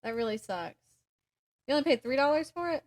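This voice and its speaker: Higher-voiced, agreeable woman podcaster. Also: lively intonation, brisk. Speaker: podcast co-host. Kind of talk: casual book chat.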